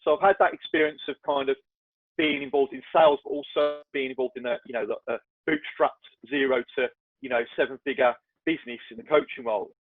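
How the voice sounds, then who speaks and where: A man's voice: medium pitch, fairly even intonation, fairly quick, no room sound. A man with a Black Country accent, a podcast guest talking in a chatty, self-deprecating way with lots of restarts. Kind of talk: casual podcast chat. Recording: tinny, dry phone-like line.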